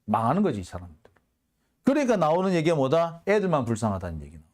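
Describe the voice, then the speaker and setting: Guy ranting on his politics channel, high voice that swings all over, sarcastic and fired up. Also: darkish tone. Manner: sarcastic, heated, full of rhetorical questions. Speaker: political commentary host. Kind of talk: political commentary monologue.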